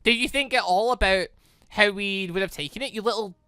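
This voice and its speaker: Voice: mid-range voice, a little fast, pushed and bright, clear, resonant tone, dry recording, natural voice. A let's play host voicing an angry, protective young woman in a visual novel, confrontational and indignant. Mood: indignant scolding.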